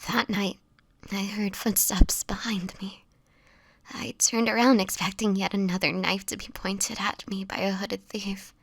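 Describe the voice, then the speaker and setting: Girl acting a sickly homeless vampire lady, breathy whispery voice, hesitant n sad, super dry close sound, audio roleplay. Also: mid-range voice, flat delivery, no echo. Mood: somber recounting. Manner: halting, hesitant storytelling with pauses. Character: sickly, fearful homeless young vampire woman, sorrowful and hesitant. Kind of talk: intimate dramatic audio roleplay monologue.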